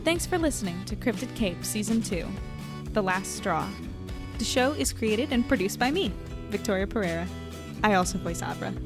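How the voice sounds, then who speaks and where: Casting: female podcast creator, mid-range voice, scripted outro read over clear music bed. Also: mid-range voice, lively intonation, moderate pace. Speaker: show creator and cast member reading credits. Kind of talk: scripted credits narration.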